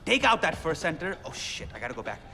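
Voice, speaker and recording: Hyped south asian rebel radio dj, chatty and slangy, pitch all over, music and big reverb behind. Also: male voice, very animated, quick pace, vocal fry. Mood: hospitable, flustered. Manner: theatrical, slangy, rambling. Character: excitable, chatty young male rebel radio DJ. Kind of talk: game cutscene acting with radio patter.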